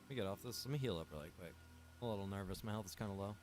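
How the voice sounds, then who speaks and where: A man's voice: lowish voice, racing, a little mellow, soft background music. Chatty male streamer playing a game. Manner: chatty, talks to chat and game characters. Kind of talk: casual live-stream chat while playing.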